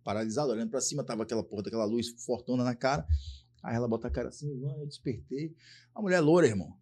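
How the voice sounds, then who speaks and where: A man from Brazil, a police sergeant guest on a casual podcast, telling stories in a lively way, acting out the voices of other people and swearing freely. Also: mid-range voice, rapid-fire, slightly rough. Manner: animated storyteller acting out dialogue, swears freely. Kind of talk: casual podcast chat, storytelling.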